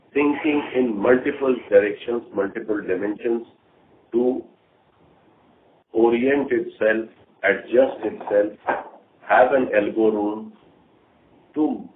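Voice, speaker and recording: A man speaking as a company executive briefing investors on an earnings call, talking deliberately in short, halting phrases. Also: mid-range voice. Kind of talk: earnings call management commentary. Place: conference call. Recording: tinny phone line with faint noise.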